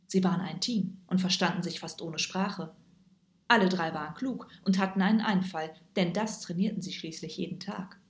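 A woman reading a children's story aloud with lively, expressive storytelling. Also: lowish voice. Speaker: narrator. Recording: echoey room.

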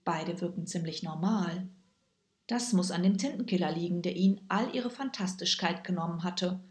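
A woman's voice: fairly low pitch, moderate pace, a little mellow, lightly acted. A woman reading a storybook aloud, voicing a curious, brave young girl in a friendly way. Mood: musing. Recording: echoey room.

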